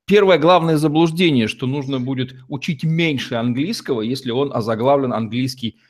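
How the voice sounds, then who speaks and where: Male host, average pitch, probing, thoughtful interviewer. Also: moderate pace. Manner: thoughtful, long probing questions. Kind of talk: interview conversation.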